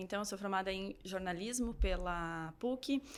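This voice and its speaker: A woman with a southern Brazilian accent, medium pitch, ordinary pitch variation and a fairly slow pace. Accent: gaúcho Brazilian Portuguese. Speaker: journalist and agricultural economics researcher. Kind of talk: interview.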